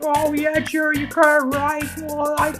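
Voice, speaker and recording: A man's voice: very high voice, monotone, moderate pace, music in the background, voice pushed up. A man voicing a timid, nerdy cartoon boy sidekick in a nasal, whiny voice. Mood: nervous.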